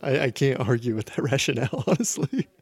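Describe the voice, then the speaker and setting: A man co-hosting a podcast, commenting live on an awards show in an excitable, joking way with plenty of swearing. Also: medium pitch, fairly quick, gravelly, husky. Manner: excitable, swears often, jokey. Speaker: podcast co-host.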